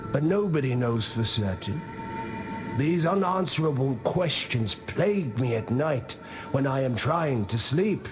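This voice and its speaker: A man playing a wise old tribal elder in a video game, speaking in a measured, solemn, contemplative way. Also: medium pitch, lively intonation, over music, natural voice. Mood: reflective. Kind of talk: scripted video game character monologue.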